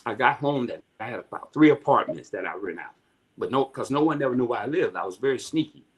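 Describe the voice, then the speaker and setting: A man's voice: mid-range voice, lively intonation, fast talker, slightly rough. A man, a podcast guest, telling his life story as a personal testimony, acting out what others said. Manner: storytelling, acting out quoted voices.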